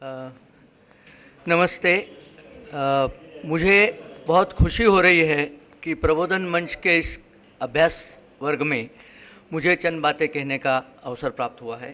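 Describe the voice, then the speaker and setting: With big swings in loudness and long, frequent pauses, a man talks at a fairly high pitch with ordinary pitch variation. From India, Indore (Madhya Pradesh). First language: Marathi (speaking Hindi). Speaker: guest speaker on geopolitics. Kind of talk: public lecture. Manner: hesitant, frequent filler 'uh'.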